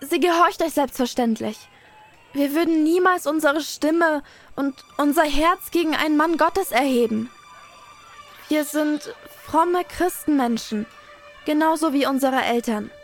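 A woman's voice: high voice, unhurried, soft background music. A woman playing a timid, pious, pleading young medieval girl in a German radio play. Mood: deferential.

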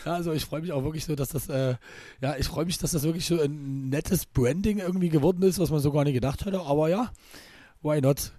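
A man co-hosting a podcast in casual chat, with a slightly husky voice, rambling with many restarts and fillers. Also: a little high, fairly quick, mellow, no room sound, studio quality. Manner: rambling, restarts often with filler sounds, chuckles. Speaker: podcast co-host and DJ.

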